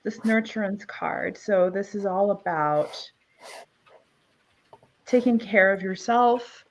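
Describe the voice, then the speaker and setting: A woman's voice: mid-range voice, slow pace, a little hiss or hum. A woman from Ukraine hosting a live online tarot reading, chatty with many fillers. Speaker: host. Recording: dull lo-fi sound.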